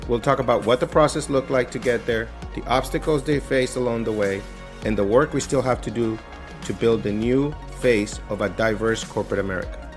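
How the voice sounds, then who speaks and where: A man's voice: mid-range voice, a little fast. Host: man, upbeat and emphatic, roomy recording with faint music under it. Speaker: podcast host. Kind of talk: podcast interview.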